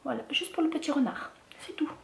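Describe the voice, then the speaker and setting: Woman vlogger, casual and rambling, slightly high voice, roomy echo. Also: fairly quick, vocal fry. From France. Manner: chatty, many fillers and restarts. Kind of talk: casual haul vlog.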